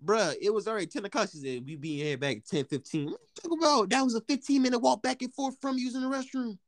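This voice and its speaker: A young man with a deep voice rambles through a casual chat, slangy and easygoing, stumbling over restarts and breaking into quick laughs. His voice sounds close and dry, with next to no room around it. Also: no room sound. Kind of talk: casual chat between friends.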